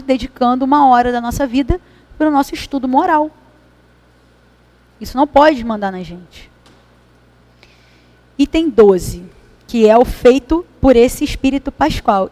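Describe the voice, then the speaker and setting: High-voiced Brazilian woman leading a spiritist study. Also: a little mellow. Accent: Brazilian Portuguese. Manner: conversational, asks the room for agreement. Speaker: study group leader. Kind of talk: spiritist study talk with readings. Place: meeting hall.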